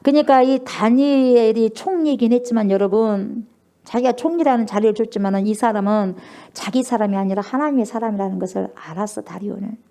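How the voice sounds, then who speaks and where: With a warm, fairly high voice and a fairly quick delivery, a woman pastor preaches emphatically. She questions the congregation and dramatizes scripture as her emotion builds.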